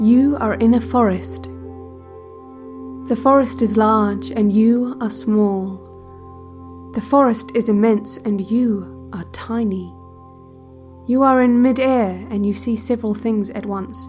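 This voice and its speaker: A woman at a very slow pace, her tone calm and soothing, with music in the background. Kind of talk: relaxation cassette guided visualization. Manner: slow, calm, soothing.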